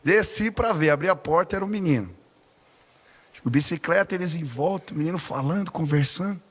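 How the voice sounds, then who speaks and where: A man with a Brazilian Portuguese accent preaching a sermon as pastor, telling stories animatedly and building to shouted exclamations. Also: fairly high pitch, expressive, brisk. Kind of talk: sermon with personal storytelling. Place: large church sanctuary. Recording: long hall reverb in a church.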